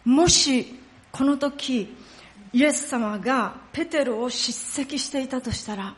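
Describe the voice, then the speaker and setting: A woman pastor delivers a sermon in a fairly high voice. She tells the story with expressive emphasis and lowers her voice to a hush at solemn moments. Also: slow pace. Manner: storytelling, acts out quoted lines and dialects; drops to a hushed tone for solemn passages.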